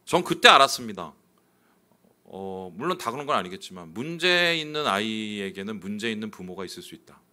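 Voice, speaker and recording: Bright-voiced pastor telling a story. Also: male voice, fairly low pitch, very animated, fairly quick. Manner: candid storytelling with sudden swings in loudness. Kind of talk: sermon.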